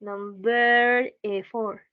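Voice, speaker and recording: A woman's voice: mid-range voice, steady tone, extremely slow, no echo, phone-quality sound. A woman teaching an English lesson, patiently correcting and repeating her student's words.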